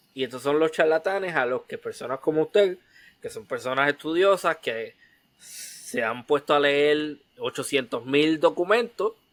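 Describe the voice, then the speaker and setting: In a normal speaking voice, fairly high-pitched with ordinary pitch variation, the man talks fairly slowly. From Puerto Rico. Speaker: history podcast host. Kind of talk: interview conversation.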